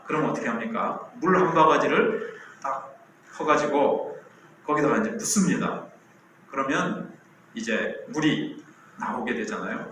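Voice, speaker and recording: A man in his sixties preaches to his congregation, telling stories and asking rhetorical questions as he goes. His voice sits somewhat high for a man. The sound is drenched in the reverb of a large church hall. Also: fairly bright tone, a little hiss or hum. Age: 60s. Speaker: pastor. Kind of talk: sermon. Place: church sanctuary.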